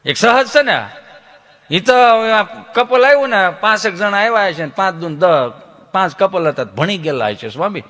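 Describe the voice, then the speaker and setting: A man with a Kathiawadi Gujarati accent, a folk comedian telling funny stories on stage, joking and animated as he imitates the people he quotes. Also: sits high, normal speed. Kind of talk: stage storytelling at a dayro.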